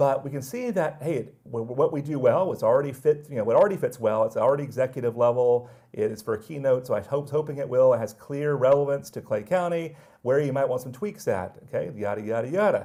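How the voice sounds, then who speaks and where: A man's fairly high voice with a dark, mellow tone, a very fast pace and ordinary pitch variation. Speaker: tech trainer. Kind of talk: live webinar tutorial. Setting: live online session.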